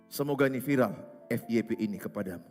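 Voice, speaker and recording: A pastor preaching a sermon, hammering points home with repetition and rhetorical questions. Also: male voice, mid-range voice, fast talker, darkish tone. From Indonesia. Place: large church hall. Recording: reverberant church hall with music.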